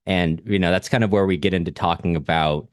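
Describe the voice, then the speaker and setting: Deep voiced guy chatting about books on a podcast, kinda rambly, dry close sound. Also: fairly quick, clear, resonant tone, no room sound. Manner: rambling, informal. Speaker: podcast co-host. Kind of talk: casual literary discussion.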